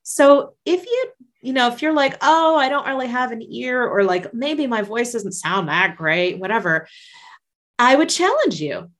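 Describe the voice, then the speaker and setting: A woman's voice: on the high side, big pitch swings, a little slow, a bit bright. A woman guest on a podcast, a singer and life coach, talking in a casual, enthusiastic and encouraging way and laughing often.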